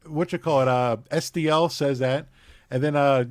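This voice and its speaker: A man's voice: mid-range voice, fairly even intonation, moderate pace, dry recording, studio quality. A man from Philadelphia with a Philly accent, chatting bluntly and swearing as a podcast guest. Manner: blunt, profane, joshing. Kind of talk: casual chat.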